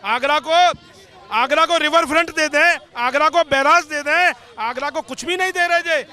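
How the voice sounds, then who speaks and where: A man politician speaking in a debate, his voice very high and piercingly bright. He presses his points hard in quick bursts, repeating demands one after another. Outdoors, with no crowd heard. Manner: forceful, piles up demands and accusations in short bursts. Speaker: opposition politician. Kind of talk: campaign speech in a debate.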